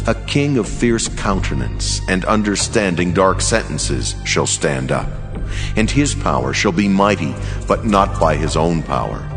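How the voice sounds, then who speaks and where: A man voicing a solemn angel in a dramatized scripture reading, speaking with grave, measured authority. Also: deep voice. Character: solemn male angel interpreting a prophetic vision. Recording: long cavernous reverb with music underneath.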